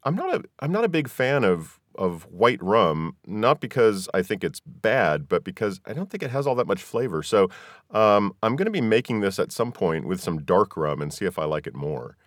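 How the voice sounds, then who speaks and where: A man's voice: on the low side, very animated, normal speed, no echo, studio quality. A man hosting a podcast, chatting casually as he interviews guests. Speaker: podcast host.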